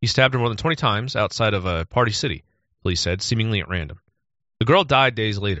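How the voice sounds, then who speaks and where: Lively intonation marks this man's medium-pitched voice as he speaks at a very fast pace. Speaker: podcast host. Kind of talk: casual banter podcast.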